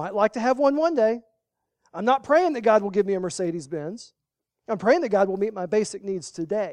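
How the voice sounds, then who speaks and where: Speaking with a Texan accent, this man has a high pitch and lively intonation. His pace is fairly quick. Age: 30s. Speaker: pastor. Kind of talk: sermon. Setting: church.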